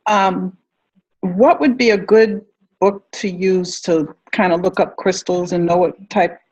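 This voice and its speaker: A woman with a husky voice taking part in a group call, polite and apologetic. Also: lowish voice, a little slow, darkish tone. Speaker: course participant. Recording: somewhat muffled call audio.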